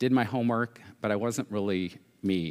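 A man speaks at a fairly slow pace with ordinary pitch variation. It is a normal speaking voice on a very clean recording with a silent background. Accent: American. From US Pacific Northwest, eastern Washington. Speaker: church treasurer. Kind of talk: testimony.

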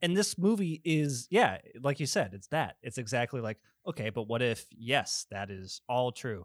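At a moderate pace, a man talks at a medium pitch. His voice has very wide pitch swings. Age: 30s. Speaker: podcast host. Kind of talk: casual chat. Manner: animated.

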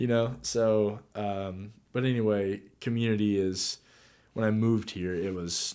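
Heard in a very clean recording with a silent background, a man with an American accent and a plain, everyday voice speaks at a fairly low pitch with fairly even intonation. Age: 20s. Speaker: podcast guest. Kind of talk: casual chat.

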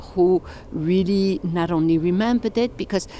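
A woman speaks with a French accent at a fairly slow pace. Her pitch is medium with ordinary variation. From Europe. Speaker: film director. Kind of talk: radio interview.

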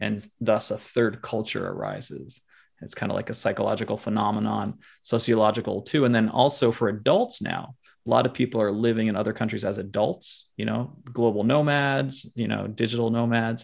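On a very clean recording with a silent background, a man speaks at a fairly quick pace. His voice has vocal fry, a medium pitch, and ordinary pitch variation. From Latin America (Colombia, Brazil), born in Boston. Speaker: cross-cultural consultant and speaker. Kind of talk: interview conversation.

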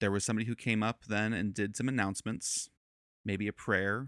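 On a very clean recording with a silent background, a man with an American accent speaks at a fairly quick pace and medium pitch with fairly even intonation. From Chicago area, US Midwest. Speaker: church music director. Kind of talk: casual chat. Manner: halting.

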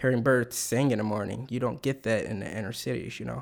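On a very clean recording with a silent background, a man with an American accent speaks at a medium pitch with vocal fry. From Philadelphia, US East Coast. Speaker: podcast guest. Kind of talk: casual conversation. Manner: animated.

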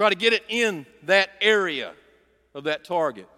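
Raising and projecting his voice, a man speaks with a Southern US accent at a high pitch and with lively intonation. His tone is bright and sharp, and the sound is dry and close with no echo. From northeast Arkansas. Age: 50s. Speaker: preacher. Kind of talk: sermon. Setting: church. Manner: animated.

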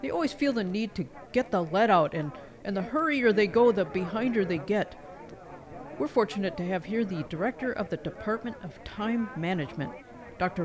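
Over crowd noise in the background, a woman speaks at a moderate pace and medium pitch with lively intonation.

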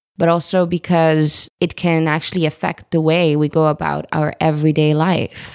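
A woman speaks with a Moroccan accent in a very deep, low pitch. Her intonation is monotone and flat, and the sound is dry and close with no echo. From Morocco. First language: Moroccan Arabic. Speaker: podcast guest. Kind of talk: casual discussion. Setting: studio.

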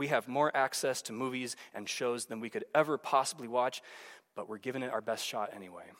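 A man's unremarkable speaking voice at a fairly quick pace, with fairly even intonation and big swings in loudness. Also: medium pitch for a man. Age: 30s. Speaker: lay speaker at a church service. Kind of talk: lecture-style talk to a congregation.

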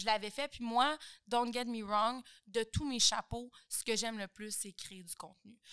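The sound is dry and close, with no echo. A woman speaks in a bright, sharp tone with big swings in loudness. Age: 20s. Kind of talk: casual chat. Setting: studio.

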